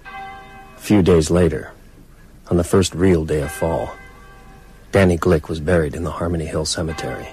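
Low-voiced, brooding man. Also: steady tone, normal speed, long pauses, a little mellow, faint music behind. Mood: sombre narration. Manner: hesitant, understated. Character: brooding, restless widowed man, reserved. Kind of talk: radio drama acting.

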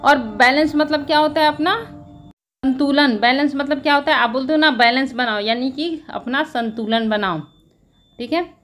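A woman with a high, bright voice teaching a lesson on reading a newspaper editorial. She explains English words and grammar in a plain, patient way, often asking a question and then answering it herself. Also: moderate pace, slight background noise.

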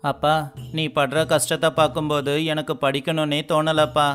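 A man voicing every male figure in a cartoon village story, in an even, scripted delivery. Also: on the high side, moderate pace. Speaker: voice actor for all male figures. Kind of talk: scripted dialogue of an animated moral story. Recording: faint music underneath.

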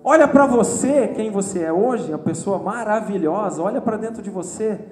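A male preacher delivers a lively sermon, his voice sitting high for a man. He acts out the voices of churchgoers as he speaks. The church is roomy and echoing, with soft music underneath. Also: normal speed.

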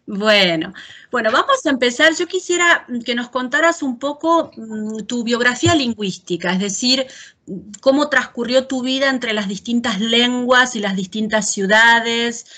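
A woman's voice: fairly high pitch, moderate pace, pushed and bright. A woman, a university lecturer, hosting a video-call interview, introducing her guest and asking questions with articulate enthusiasm. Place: home room. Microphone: video call webcam.

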